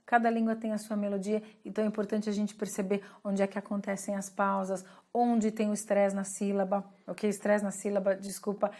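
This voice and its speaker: A woman's voice: medium pitch, a little mellow. A woman from Brazil in her thirties giving an English lesson, explaining patiently and checking in with the viewers often. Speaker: English teacher.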